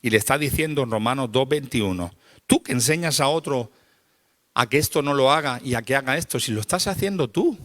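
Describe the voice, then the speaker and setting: A male pastor preaching a sermon. He talks with repetitive, rhythmic calls to the congregation and swings from quiet, confessional passages to loud, rising climaxes. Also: mid-range voice, expressive, fairly quick.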